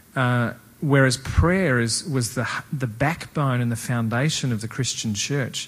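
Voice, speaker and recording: Here a man talks at a fairly slow pace with an Australian accent. His pitch is medium, with ordinary variation. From Australia, Melbourne (Victoria). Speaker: church leader. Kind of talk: interview. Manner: hesitant with fillers.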